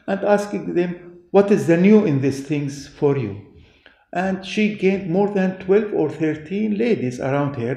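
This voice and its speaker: Echoey, gravelly Middle Eastern-accented man. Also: a little high, warm tone. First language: not English. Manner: halting, deliberate phrasing. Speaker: pastor and doctor being interviewed. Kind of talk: interview answers, personal testimony. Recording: echoey room.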